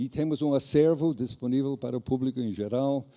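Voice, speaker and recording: A man's dark, mellow tone at a moderate pace. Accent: American. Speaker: distance education association leader, panelist. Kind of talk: panel presentation. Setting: conference panel with audience. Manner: halting, many filler 'ah' sounds.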